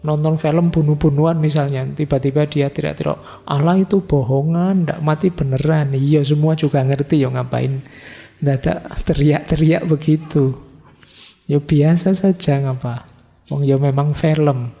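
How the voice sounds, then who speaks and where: A man's voice: on the high side, steady tone, a little slow, creaky, warm tone. A middle-aged man giving an informal lecture in a large mosque hall, talking conversationally and teasing his listeners with everyday examples. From Indonesia. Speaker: philosophy lecturer. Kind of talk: informal religious study lecture. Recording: long hall reverb with faint music.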